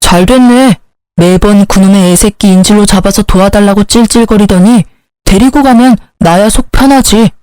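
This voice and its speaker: A woman's voice: mid-range voice, moderate pace, a little mellow, dry recording, lightly acted. A woman voicing a selfish young husband in a read-aloud story, arguing in an indignant, dismissive way. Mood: resentful. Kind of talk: storybook dialogue reading.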